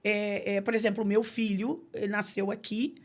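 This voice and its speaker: A woman's voice: mid-range voice, level tone, moderate pace. A woman with a Brazilian accent, an English pronunciation teacher, explaining emphatically in a podcast conversation. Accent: Brazilian Portuguese. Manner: emphatic, explanatory, acts out quoted voices.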